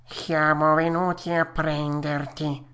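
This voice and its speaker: A solemn storybook rabbit, big, black and ominous, acted out by a woman. It delivers its words gravely and matter-of-factly, with a grumbling temper. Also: low voice, little pitch movement, slow, fairly bright tone, exaggerated voice. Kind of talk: storybook character voice.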